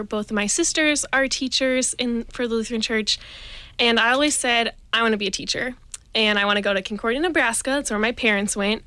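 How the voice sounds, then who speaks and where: A young woman, a college student, telling her story in a lively way as a guest in a studio radio interview. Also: a little high, smooth, no echo. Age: young adult.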